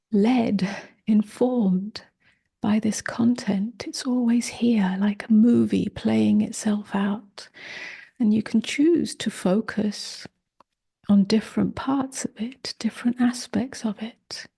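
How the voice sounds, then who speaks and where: Soft husky woman doing guided meditation, really slow, lots of gaps, creaky voice. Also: mid-range voice, steady tone. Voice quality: soft, breathy, husky, often near a whisper. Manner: gentle, unhurried, long pauses between short phrases. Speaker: meditation teacher.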